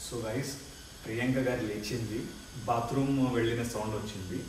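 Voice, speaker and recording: Hushed, nervous man hosting a vlog. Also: mid-range voice, fairly even intonation, moderate pace, very echoey, far from the mic, slight background noise. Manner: hushed and nervous, then loudly protesting. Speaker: vlog host. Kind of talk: casual prank vlog. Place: indoors at home.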